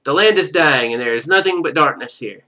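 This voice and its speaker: A man's voice: on the high side, animated, fairly quick, pushed and bright. A man voicing a ruined trader's journal from a visual novel, read aloud in an earnest storytelling way. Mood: grave, urgent. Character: ruined male trader writing in his journal. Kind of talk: reading a journal aloud in a game.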